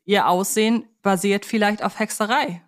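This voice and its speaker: A woman's voice: mid-range voice, steady tone, normal speed. A woman co-hosting a film analysis podcast, talking conversationally in a reflective, articulate way. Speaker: podcast co-host.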